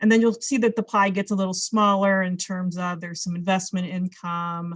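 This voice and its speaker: A somewhat breathy woman at a fairly quick pace over a quiet background. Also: medium pitch for a woman. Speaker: nonprofit executive director. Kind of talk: presentation. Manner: fast.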